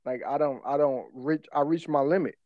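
A man's voice: fairly high pitch, no echo, narrow, tinny audio. A man with an African American English accent chatting casually as a podcast co-host, telling stories in profane slang. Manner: slangy, profane, quick to laugh. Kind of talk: casual chat, personal storytelling.

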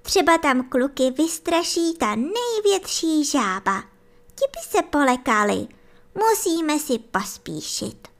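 A woman voicing a timid little male bunny who begs his mother in a high, pleading voice. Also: very animated. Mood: eager. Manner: high crying calls, eager pleading.

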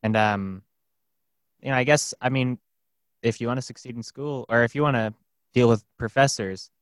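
A man's voice: medium pitch, moderate pace, clean tone, dry recording. A young man interviewing his guest in a casual, reflective way, thinking aloud with fillers.

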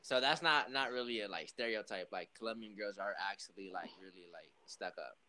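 A man's voice: lowish voice, fairly quick, pushed and bright. A young man runs a casual interview in a slangy, playful way. He laughs easily and teases his guest. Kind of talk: casual chat.

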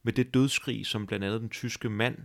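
A man hosting a conversation, speaking in a thoughtful, halting way with many restarts. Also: on the low side, fairly even intonation, creaky. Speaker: podcast host. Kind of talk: reflective conversation.

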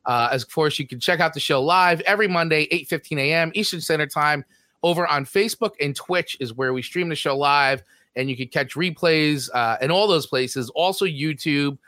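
A man's voice: a little high, moderate pace, pushed and bright, dry recording, clean studio sound. A man with a New Jersey accent co-hosting a podcast, chatting casually and rambling through show plugs. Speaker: podcast co-host. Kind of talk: casual chat.

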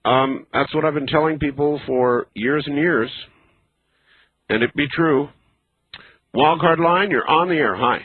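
A man's voice: a little high, unhurried, pauses often, slightly rough. A man hosting a late-night call-in radio show, easygoing with callers and dry and firm in short replies. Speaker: radio talk show host. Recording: tinny phone-like broadcast audio.

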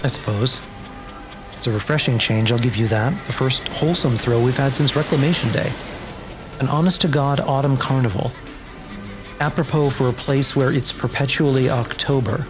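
Casting: male actor as wry post-apocalyptic drifter, medium pitch, guarded and dry, audio drama with music behind. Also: fairly even intonation, moderate pace, natural voice. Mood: dry, sardonic. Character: sardonic, grudge-bearing male post-apocalyptic wasteland survivor. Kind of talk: dark humor audio drama acting. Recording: music under the voice.

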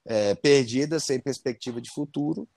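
A man's voice: medium pitch, normal speed, gravelly, dry recording. Brazilian man telling stories, dry sound. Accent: Brazilian Portuguese. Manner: lively, quotes other people in scenes, frequent restarts. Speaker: guest. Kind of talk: casual storytelling.

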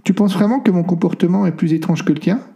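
A man's voice: high voice, quick pace, creaky, mellow, pitched above the performer's own voice. A man reading aloud and voicing a troubled young male doctor who hesitates, then presses for the truth. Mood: guarded.

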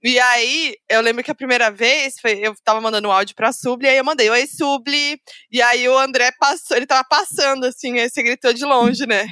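A woman with a Brazilian Portuguese accent co-hosting a podcast in casual chat. Her voice is bright and clear, set a little high. She tells stories in a giggly, animated way, and the sound is dry and close. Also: fast, hardly any pauses, dry recording. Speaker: podcast co-host.

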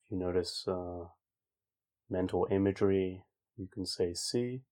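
A man leading a guided meditation in a calm, informal way, speaking gently spaced instructions with long pauses. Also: sits low. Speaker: meditation teacher. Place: online group session over video call.

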